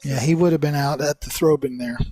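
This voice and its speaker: A man's voice: fairly high pitch, fairly even intonation, a little fast, warm tone. A man doing live play-by-play commentary of a baseball game in a conversational manner.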